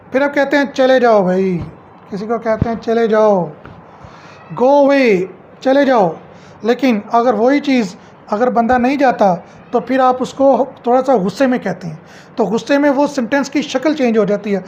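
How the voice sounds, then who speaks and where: A woman's voice: high voice, darkish tone, lo-fi sound, a little hiss or hum. A middle-aged woman at home teaching English phrases, asking each one back as a question and then answering it.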